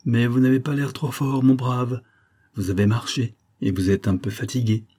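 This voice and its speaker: A man's voice: medium pitch, steady tone, normal speed, mellow, breathy edge, pitched above the performer's own voice, natural voice. A man voicing an easygoing male gypsy traveller who talks in a jovial, familiar way.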